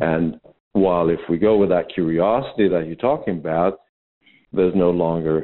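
A man with a Swedish accent and a very deep, low pitch speaks at a moderate pace with ordinary pitch variation and long, frequent pauses. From Sweden. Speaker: voice coach. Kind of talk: interview.

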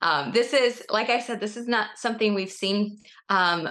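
A woman speaks with an East Tennessee accent and ordinary pitch variation. The background is quiet. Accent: Southern US (East Tennessee). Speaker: gun rights advocacy organizer. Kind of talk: interview.

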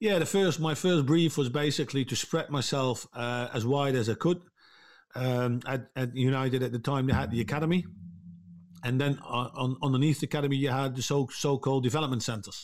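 This man, with a Dutch accent, speaks at a fairly quick pace and medium pitch with ordinary pitch variation on a very clean recording with a silent background. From Netherlands. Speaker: football coach. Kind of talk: interview, storytelling.

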